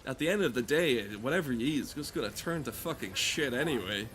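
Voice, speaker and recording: A man's voice: mid-range voice, expressive, fast talker, over music, poor audio. A man giving crude, comedic, rambling commentary while playing a game, swearing often. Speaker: gamer talking over gameplay.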